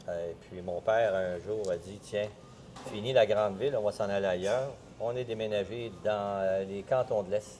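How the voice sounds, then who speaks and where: A man speaks at a fairly slow pace in a fairly low pitch, with noticeable background noise behind him. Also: fairly even intonation. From Quebec (Granby, Eastern Townships). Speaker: magazine owner, former journalist and radio host. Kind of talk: interview.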